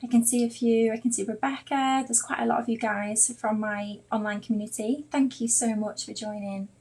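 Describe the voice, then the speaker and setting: A woman's voice: fairly high pitch, fairly even intonation, moderate pace, a little mellow. A woman with a Liverpool accent teaching art in an informal live stream, chatting in a rambling way straight to her viewers. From Liverpool, England. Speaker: artist and online drawing teacher.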